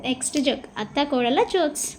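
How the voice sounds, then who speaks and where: A woman host reads a string of jokes aloud, announcing each new one briskly. Her voice is high, with a faint ambient hiss in the background. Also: lively intonation. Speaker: channel host.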